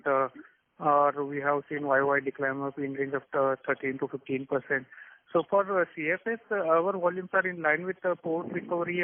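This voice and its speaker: A man politely asking questions on a business conference call. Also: fairly high pitch. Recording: tinny narrowband phone line.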